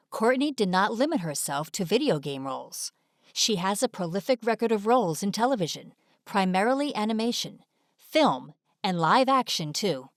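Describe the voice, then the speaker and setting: A woman's voice: medium pitch, no echo, studio quality. A woman delivering scripted video essay narration in a polished, presentational manner.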